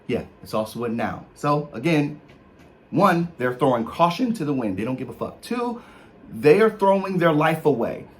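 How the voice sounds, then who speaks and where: A man's voice: fairly high pitch, very animated, moderate pace. A man in his thirties speaking African American English, explaining slang and reading out a list in an emphatic, mock-official comedic way with casual asides. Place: small room with posters, indoors.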